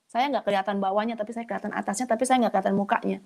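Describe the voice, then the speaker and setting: A woman with a mid-range voice tells her personal testimony as if chatting with friends. Her delivery is colloquial and animated, and her pitch jumps sharply when the story excites her. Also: racing, creaky.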